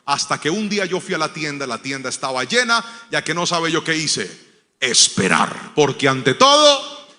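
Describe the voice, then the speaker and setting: A man preaching a sermon. He tells a story, dropping to a hush and then rising to loud, emphatic declarations. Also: on the high side, sing-song, moderate pace, long reverb tail. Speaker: pastor.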